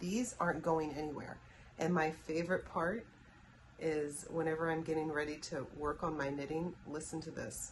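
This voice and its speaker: A woman's very deep, low voice carries fairly even intonation within audible room echo. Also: moderate pace. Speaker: yarn dyer and knitting podcaster. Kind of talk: casual vlog chat.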